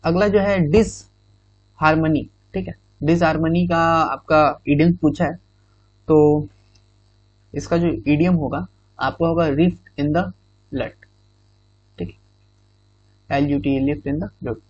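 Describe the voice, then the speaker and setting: A man's voice: on the high side, fairly even intonation, slow, long pauses, no room sound. A male exam-prep teacher explaining idioms in Hindi with English phrases, often checking in with "theek hai". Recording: dull, muffled recording.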